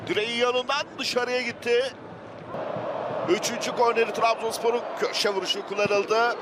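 High-pitched excited football commentator, man. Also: moderate pace. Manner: excited, shouts out goals. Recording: loud stadium crowd noise. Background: roaring football stadium crowd.

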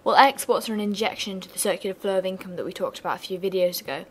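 A young woman, hoarse and losing her voice, giving a chatty revision lesson with casual asides. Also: mid-range voice, rapid-fire, slight background noise. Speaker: student revision tutor.

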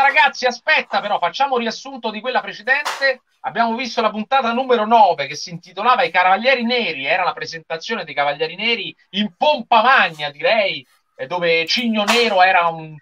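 A man's voice: high voice, lively intonation, a little fast, pushed and bright, a little hiss or hum. A man, chattily hosting a casual livestream with enthusiasm. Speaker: live show host. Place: small indoor room with shelves of figurines. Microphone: video call. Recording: dull lo-fi video-call audio.

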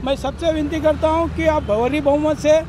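A man's voice: extremely high pitch, fairly even intonation, normal speed. A middle-aged man with a Hyderabadi accent, a party campaigner speaking to press microphones on a street. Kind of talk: political speech to press. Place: busy street, outdoors. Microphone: handheld press microphones held close. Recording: clear outdoor street traffic noise.

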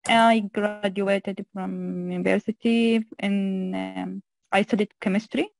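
Gravelly young woman from Jordan. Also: medium pitch, steady tone, slow pace, a little mellow, no room sound. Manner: hesitant, polite. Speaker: student.

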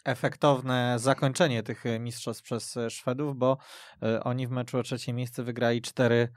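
A man's voice: mid-range voice, level tone, normal speed, dry recording, clean studio sound. A man hosting a radio sports podcast, steering the talk and prompting his guests with questions. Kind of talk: casual sports discussion. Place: radio studio.

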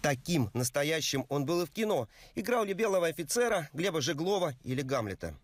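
A man narrating a scripted news report in a measured, solemn voice-over. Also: a little high, sing-song, slight background noise. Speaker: news correspondent. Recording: voice-over with music bed.

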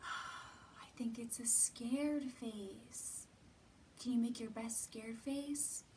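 A woman's voice: a little high, fairly even intonation, darkish tone, whispered. Woman leading children's storytime, distant mic. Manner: simple encouraging questions with many pauses. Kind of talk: gentle guided lesson for young children. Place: indoor library room with bookshelves. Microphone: camera a few feet away. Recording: distant mic, roomy ambient noise.

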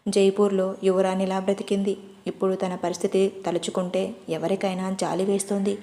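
A woman's voice: medium pitch, little pitch movement, a little fast, warm tone. A woman narrating a love story in a chatty way, with small asides to the listener. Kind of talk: scripted narration.

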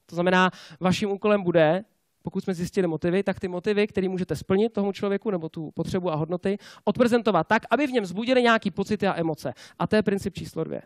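A man with a high-pitched voice delivers a lively motivational sales talk at a conference. He keeps tossing rhetorical questions at the crowd and tags his points with quick checks for agreement. The sound is dry and close. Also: no echo. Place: conference stage before a live audience.

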